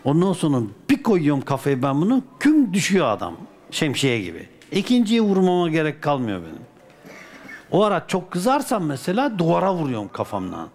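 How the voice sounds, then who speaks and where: A man from Turkey, a dervish, telling a personal anecdote in a colloquial, lively way with folk sayings. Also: a little high, a little fast. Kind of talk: casual spoken anecdote.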